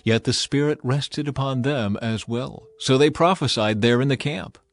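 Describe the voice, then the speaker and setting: A man narrating a dramatized Bible reading in a deliberate, solemn and expressive way. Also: medium pitch, faint music behind.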